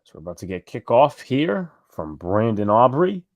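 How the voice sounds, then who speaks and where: The recording is dry with the highs cut off, capturing a mid-range, sing-song voice at a moderate pace. It belongs to a New York–accented co-host on a live fan stream who does casual play-by-play and fan chat, rambling and correcting himself as he goes.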